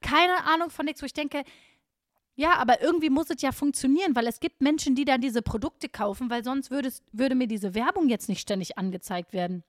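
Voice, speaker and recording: Female podcast co-host, high voice, blunt and animated, dry studio sound. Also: a little fast, no room sound. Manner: animated, outspoken, laughs often. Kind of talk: casual chat.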